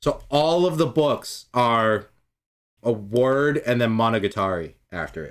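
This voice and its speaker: A man's medium-pitched voice, fairly slow, with lively intonation and big swings in loudness, in a very clean recording with a silent background. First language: Spanish. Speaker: podcast host. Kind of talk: casual chat. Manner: halting.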